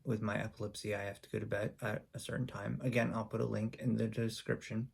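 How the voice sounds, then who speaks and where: A man recounts a personal story for his video channel. His voice sits low with a gravelly texture, and he speaks in a flat, even tone. His delivery is halting, full of ums and restarts. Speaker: YouTuber.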